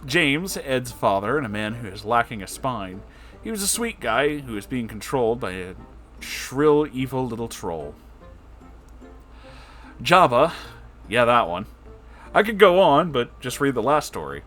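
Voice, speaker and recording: A man reading internet stories aloud in an expressive, effusive way, breaking in with casual, emotional asides. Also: medium pitch, a little slow, pauses often, soft background music. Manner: emotional, effusive, reactive, profane.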